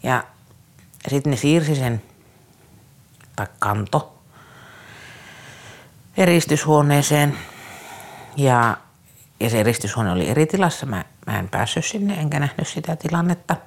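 Gravelly-voiced man recounting a hard memory. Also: on the high side, lively intonation. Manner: halting, with frequent restarts; earnest, troubled storytelling. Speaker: former youth care counselor. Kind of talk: personal recollection in an interview.

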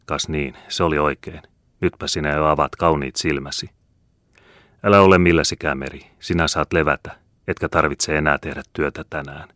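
A man reading the part of a kindly little old foreman in an audiobook who gently coaxes and scolds like a father. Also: very deep voice, no echo, clean studio sound. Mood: tender coaxing.

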